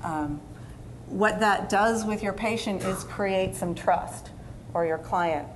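A woman's voice: mid-range voice, slow pace, slight background noise, poor audio. A woman in her forties, a physical therapist, giving a conversational conference talk from a stage, with fillers and quoted asides. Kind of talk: conference lecture.

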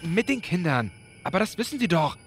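An actor playing an anxious, desperate doctor in an audio drama, hesitant and pleading. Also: male voice, sits high, very animated, a little fast. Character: anxious, desperate male doctor seeking help. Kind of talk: German audio drama acting. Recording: faint music behind the voice.

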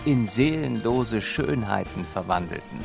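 Gravelly male storyteller over music. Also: on the low side. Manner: expressive, deliberate storytelling. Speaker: narrator. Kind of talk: scripted children's story narration. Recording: studio narration over music.

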